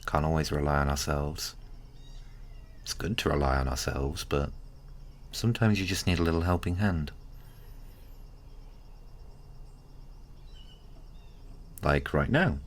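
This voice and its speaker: A man playing an easygoing, gently teasing giant friend in a casual, hesitant, intimate ASMR roleplay. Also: a bass voice. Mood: reassuring. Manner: hesitant, chuckling, unhurried casual talk.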